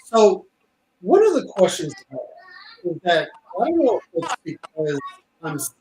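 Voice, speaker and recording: A man's voice: high-pitched, huge pitch swings, unhurried, darkish tone. A man hosting a casual group chat over a call, rambling with restarts, heard through a bad connection where his mic cuts and feeds back. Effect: bad connection, cutting mic with feedback. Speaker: podcast host. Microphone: online call mic. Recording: echoey, cutting call mic with faint noise.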